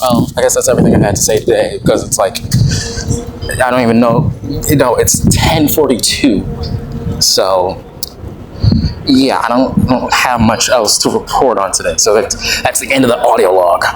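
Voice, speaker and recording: A man's voice: medium pitch, moderate pace. Young man rambling over heavy noise. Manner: hesitant, repeating words and trailing off. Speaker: vlogger recording an audio log. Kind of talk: rambling, casual spoken diary monologue. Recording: very noisy audio with clicks.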